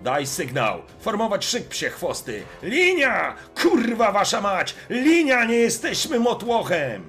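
A man's voice: sits high, huge pitch swings, slow, fairly bright tone, faint music behind, pitched above the performer's own voice, heavily acted. A man voicing a fierce young male squad commander who bellows orders and swears coarsely. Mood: shouting.

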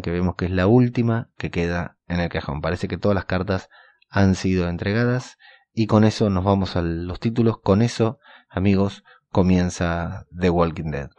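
Male podcast host, very low mellow voice, steady recap delivery, dry dull lo-fi sound. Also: dry recording. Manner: steady retelling with occasional filler pauses. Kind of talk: scene-by-scene episode recap.

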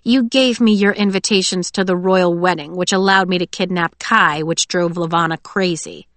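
A defiant young cyborg girl with a sharp, mocking tongue, as a woman narrator puts her on. Her lines come out bitter and clipped, recorded dry. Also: fairly low pitch, fairly even intonation, normal speed, no room sound, lightly acted. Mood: cutting. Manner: biting, sarcastic.

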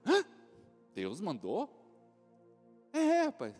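A man's voice: high voice, very slow, big-room sound, soft background music. A Brazilian man, a pastor, preaching a sermon, telling funny stories and acting out the voices of the people in them. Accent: Brazilian Portuguese. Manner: animated storytelling, acts out other voices, laughs often. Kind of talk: sermon with acted anecdotes.

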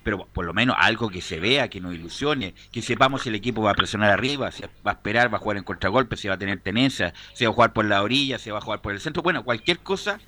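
A man's voice: on the low side, fast, few pauses, bright, forceful tone. A man hosting a football panel, talking assertively and listing points. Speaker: host. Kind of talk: sports talk debate.

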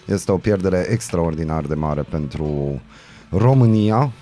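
A man hosting a regional radio morning show, loud and jokey as he reads the news and banters with his co-hosts. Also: sits low, lively intonation. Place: radio studio.

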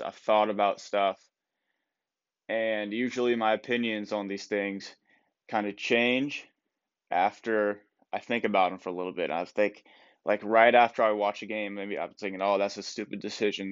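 A young man with a stuffed-up nose talks on his own podcast in a lowish voice. He rambles through blunt opinions and restarts his sentences often. The sound is dry and a little dull, like a plain home setup. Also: no room sound. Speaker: podcast host. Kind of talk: solo sports opinion podcast.

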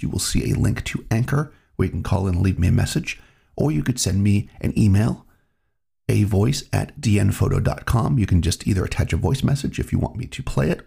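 A man hosting his own podcast, talking in a relaxed, reflective way while he has a cold. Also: lowish voice, creaky, slightly rough. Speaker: podcast host. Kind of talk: solo podcast monologue.

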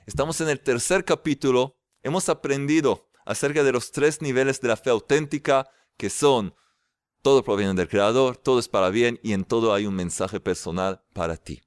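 A man giving a casual, lively spiritual lecture as a religious teacher, drawing out stressed words. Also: mid-range voice, normal speed, clear, resonant tone, dry recording, clean studio sound.

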